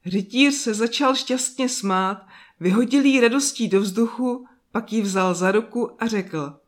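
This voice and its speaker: Lady reading a fairy tale slowly and softly, long pauses. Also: fairly high pitch. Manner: slow, soft storytelling with drawn-out pauses. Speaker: storyteller. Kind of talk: scripted fairy-tale narration.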